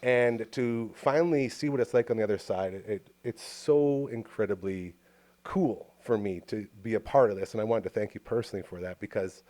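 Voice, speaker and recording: A man's voice: lowish voice, a little fast, a little mellow. A man with a Canadian accent hosting a podcast in a small home studio booth, talking in a rambling, enthusiastic, jokey way. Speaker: podcast host. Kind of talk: casual interview chat.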